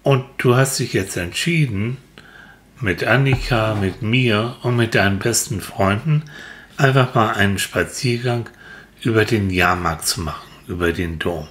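A man's voice: lowish voice, a little slow, a bit bright. A man talking patiently and encouragingly, explaining things as a mentor to a child character in a children's audio series. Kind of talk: improvised, reassuring talk to a child character.

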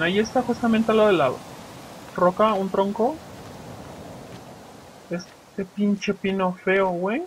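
A young man with a Mexican Spanish accent and a fairly high voice runs loose, swearing commentary over his gameplay. He jokes freely and keeps talking straight to his viewers. A faint hum of noise sits behind him. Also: a bit bright, rough recording. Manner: profane, joking, talks to viewers while playing. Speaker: gaming channel host. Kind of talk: casual let's play commentary.

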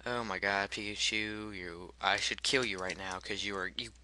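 A man's voice: lowish voice, fairly even intonation, normal speed, bright, forceful tone. A man commentating his own gameplay, frustrated and swearing at the game while muttering the menu choices he picks, his voice cracking. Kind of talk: let's play commentary.

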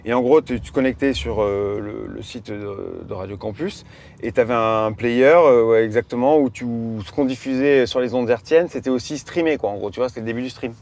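A man in his thirties tells stories from the passenger seat of a car, loose and unhurried, full of fillers and restarts. His voice sits at an ordinary middle pitch. A faint hum of road noise sits under it. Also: vocal fry. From France. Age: 30s. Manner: relaxed storytelling, many fillers and restarts. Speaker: electronic music producer, guest. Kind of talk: casual chat. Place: inside a car on city streets.

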